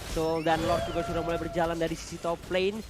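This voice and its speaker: A man's voice: a little high, level tone, quick pace, music in the background. A man with an Indonesian accent giving casual, analytical esports commentary in a chatty, bantering way. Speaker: esports shoutcaster.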